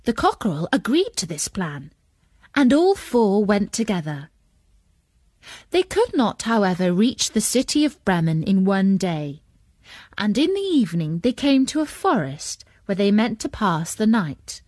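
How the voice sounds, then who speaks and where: A woman reading a children's story as narrator, expressive and measured. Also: medium pitch, no room sound, studio quality.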